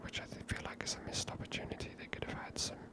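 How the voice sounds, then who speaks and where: A woman whispers her way through a video game as an ASMR host. Her voice is breathy and unvoiced, and her commentary is chatty and unscripted. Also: fast.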